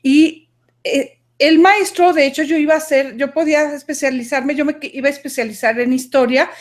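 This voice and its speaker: Animated woman telling a personal story. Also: sits high, fairly quick. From Mexico and Denmark. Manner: animated, self-correcting, emphatic. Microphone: video call.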